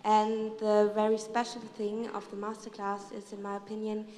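A young woman student giving earnest, measured closing remarks with fillers, in a large hall. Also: medium pitch, monotone, dark tone. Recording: echoey hall, long reverb.

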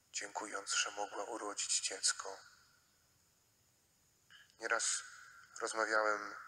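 Slow, forceful priest preaching. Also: male voice, lowish voice, rough recording. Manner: solemn, measured, with deliberate pauses. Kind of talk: homily and Gospel reading at Mass. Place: inside a church.

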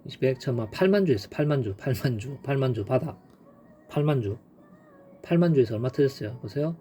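Guy walking through stock charts, mellow voice, keeps repeating stuff and going "빵" "빡", little hiss behind. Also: mid-range voice, fairly quick. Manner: emphatic, repetitive, peppered with sound effects like "빵" and "빡". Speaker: stock trading instructor. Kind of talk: casual screen-share chart lesson.

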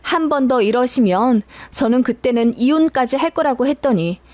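A woman narrating a first-person radio-style story in an even, confiding retelling, recorded close on a dry mic. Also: high voice, normal speed, dry recording.

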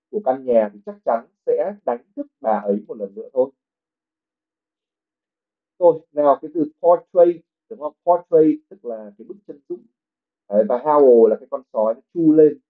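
A man's voice: mid-range voice, animated, moderate pace. A man who teaches English reads a novel aloud in a livestream, then translates each passage and explains the vocabulary word by word. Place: livestream at home. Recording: phone-like narrow sound.

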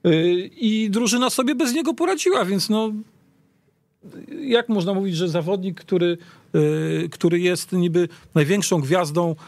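Higher-voiced man talking football, halting. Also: a little mellow, dry recording. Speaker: football pundit. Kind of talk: casual sports discussion.

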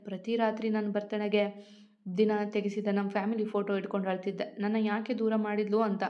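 A woman's voice: medium pitch, close to an everyday voice. A woman voicing a proud, short-tempered young husband who recounts a painful past, sorrowful and close to tears. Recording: muffled lo-fi recording.

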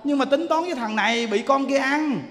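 A man giving a lively dharma talk, telling stories and exclaiming as he preaches. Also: very high-pitched, background noise. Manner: animated, exclaiming, quick shifts between loud and soft. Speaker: monk preacher. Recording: long hall reverb.

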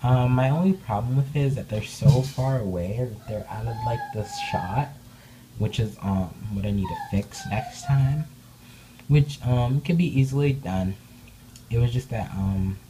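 Brief: woman vlogger, casual and rambling, lots of fillers, excitable, mellow dark tone, faint room hiss behind. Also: extremely low pitch, poor audio. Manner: rambling, with many filler words; bubbly, excitable. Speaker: doll hobby vlogger. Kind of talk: casual update vlog. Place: indoor room, speaking off camera behind dolls.

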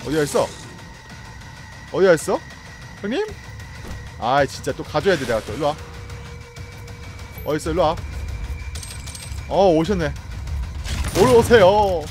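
A man's voice: on the high side, animated, measured pace, long pauses, darkish tone. A man streaming a video game, giving playful let's-play commentary and teasing and coaxing the enemies he fights. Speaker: gaming streamer. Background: game music and effects.

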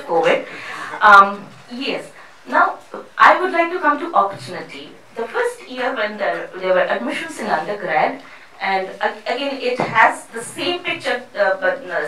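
Bright-voiced woman speaking in an echoey hall. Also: mid-range voice. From India. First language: not Hindi; English not first language. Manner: halting, many restarts and fillers, earnest. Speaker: panel speaker. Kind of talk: public talk at a panel. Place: seminar room with a panel seated before a screen. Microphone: handheld mic. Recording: echoey room picked up from a distance.

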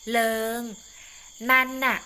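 A woman's voice: slow pace, pushed and bright, slight background noise. A woman voicing an older mother-in-law who scolds and coaxes her daughter in a motherly way. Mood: coaxing. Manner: lecturing, coaxing, motherly.

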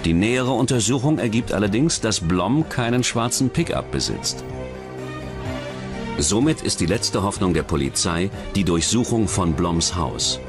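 A man's voice: on the low side, very animated, unhurried. A man narrating a true-crime documentary in a scripted style. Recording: music bed under the voice.

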